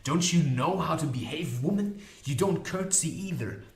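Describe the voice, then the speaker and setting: A man's voice: medium pitch, very animated, normal speed, reverberant, close to an everyday voice. A man voicing a proud, insecure magician in a fantasy storybook, earnest and easily indignant. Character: proud, insecure male magician, excitable and jealous.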